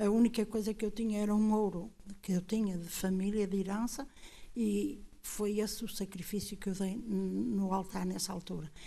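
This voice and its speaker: A woman speaks in a flat monotone at medium pitch. Her tone is dark and mellow, and somewhat breathy. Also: moderate pace. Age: 60s. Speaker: church member giving testimony. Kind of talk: testimony.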